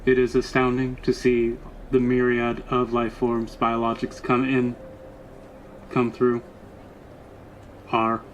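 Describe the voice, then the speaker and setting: Man playing a flat, formal robot bodyguard. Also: medium pitch, slight background noise, close to an everyday voice, poor audio. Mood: measured, stilted. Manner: stilted, formal, halting machine-like delivery. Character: loyal, literal-minded male robot bodyguard, patient and formal. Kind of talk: tabletop roleplay acting.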